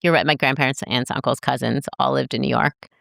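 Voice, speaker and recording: Low-voiced woman, animated storyteller. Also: brisk, vocal fry, no room sound, studio quality. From United States. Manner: animated, acts out voices in her anecdotes. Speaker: podcast guest. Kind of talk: casual storytelling chat.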